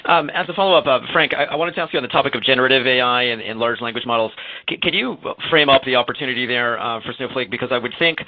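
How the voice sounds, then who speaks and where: A man working as a financial analyst, asking questions off the cuff with halting, hedged phrasing. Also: medium pitch. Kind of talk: spontaneous questioning on an earnings call. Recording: slightly dull conference call line.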